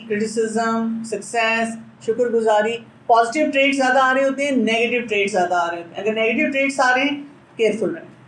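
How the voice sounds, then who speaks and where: A woman's voice: on the high side, echoey room, rough recording. A middle-aged woman with a Pakistani accent, a pediatrician giving an Islamic parenting lecture in an earnest, advising way and mixing English words into her speech.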